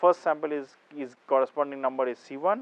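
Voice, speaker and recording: A man speaks with an Indian accent. He goes at a very fast pace. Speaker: university professor. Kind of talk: lecture.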